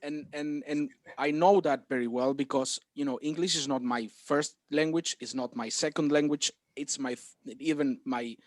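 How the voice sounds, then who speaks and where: A Galician man chats with eager, halting energy, often restarting his sentences. His voice sits fairly high and sounds dry and close, with no room around it. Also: dry recording. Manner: halting, excited, many restarts. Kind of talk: casual podcast chat.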